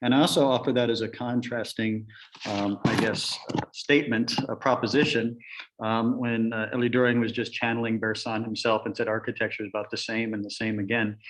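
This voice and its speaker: A man with an American accent speaks at a fairly quick pace and a medium pitch. His intonation is monotone and flat, with noticeable background noise. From US Midwest, Chicago. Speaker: architecture academic. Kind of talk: conference talk. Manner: fast.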